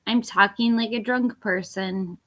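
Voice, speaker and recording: A woman's voice: medium pitch, steady tone, unhurried. A tipsy woman hosting a casual livestream tarot reading, rambling with fillers and laughing as she talks. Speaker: tarot reader and livestream host.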